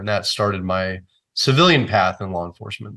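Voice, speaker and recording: In an American accent, a man speaks at a fairly quick pace in a bright, sharp tone against a quiet background. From San Francisco Bay Area, California. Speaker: Air Force veteran and retired police sergeant. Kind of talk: interview.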